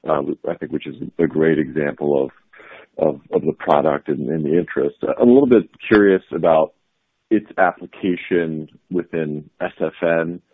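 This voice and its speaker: A man's voice: rumbling low, normal speed, slightly rough, no echo. A man working as a financial analyst, politely putting a question on an earnings call over a narrow phone line.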